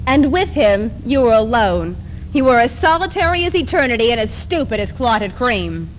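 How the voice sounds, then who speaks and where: High-voiced, scornful rebel acted by a woman. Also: big pitch swings, normal speed. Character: angry, scornful women's liberation rebel. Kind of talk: theatrical readers theater oratory. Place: live readers theater performance at a university. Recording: dull 1970s archival stage recording, faint noise.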